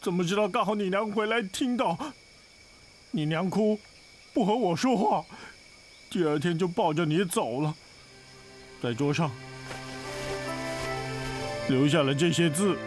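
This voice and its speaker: A man's voice: high-pitched, measured pace, pauses often. An actor playing a guilt-ridden, melodramatic father in a period martial-arts TV drama, theatrical and wailing. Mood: rambling storytelling. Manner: wailing and theatrical, swinging between sobs and rambling stories. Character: guilt-ridden, melodramatic father who keeps trying to die. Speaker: the young woman's father. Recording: TV drama with music score.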